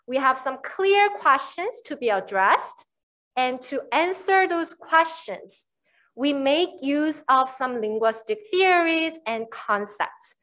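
Woman lecturer with a Korean accent, high voice, slow deliberate explaining pace. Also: expressive, fairly bright tone. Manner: slow, explanatory, frequent "you know" and "right". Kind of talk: university lecture.

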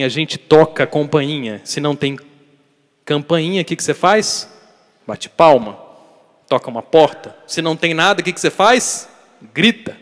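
In a large hall with long reverb, a man delivers a daily catechesis sermon as a priest. His voice sits on the high side and shifts from loud to soft to stress points, and he emphatically puts rhetorical questions to those listening.

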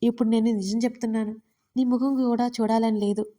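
A woman doing an anguished young heroine for an audio drama, stammering and shaky. Her voice sits high but sounds soft and mellow. She stays defiant throughout. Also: little pitch movement, fairly quick, close to an everyday voice. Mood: angry. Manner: trembling, stammering speech.

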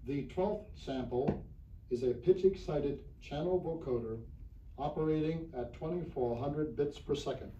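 A man reading scripted technical narration in a formal, measured manner on a 1970s flexi-disc. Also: on the high side, mellow, highs cut off. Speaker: narrator of a demonstration recording. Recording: roomy, distant, faintly hissy 1970s flexi-disc recording.

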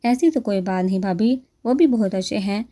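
Woman reading as a shy, gentle young wife. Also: medium pitch, animated, close to an everyday voice. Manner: shy, soft-spoken.

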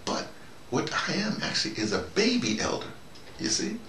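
An American man in his early sixties giving a rambling, informal monologue, halting and digressive, often repeating himself. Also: on the high side, wildly swooping pitch, fairly bright tone. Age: early 60s. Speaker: vlogger. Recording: roomy, noisy, distant microphone.

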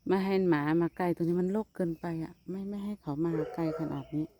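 A woman's voice: on the low side, fast talker, dark tone, slight background noise. A woman with an Isan Thai accent chatting casually to viewers in a vlog, filmed outdoors in a rural yard on a phone. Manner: chatty, addresses viewers as "brothers and sisters". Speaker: vlogger.

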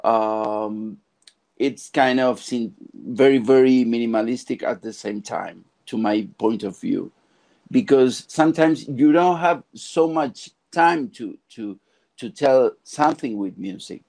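A middle-aged man from Argentina, a film composer, talking on a video call from his home studio with halting phrasing and many restarts. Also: medium pitch, gravelly, a little mellow. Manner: halting, searching for words, frequent restarts. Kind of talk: casual video call interview. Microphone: earphone mic on video call.

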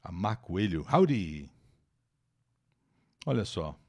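This Brazilian host's livestream English lesson has him reading an article aloud, translating it, and explaining words and pronunciations while greeting viewers by name in a chatty way. His voice sits low with a darkish tone, very animated but slow. He uses a new microphone.

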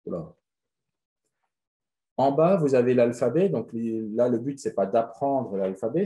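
Soft-toned man explaining a reading method. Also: fairly low pitch. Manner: explanatory, frequent fillers and restarts. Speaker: reading method designer presenting a webinar. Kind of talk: webinar presentation.

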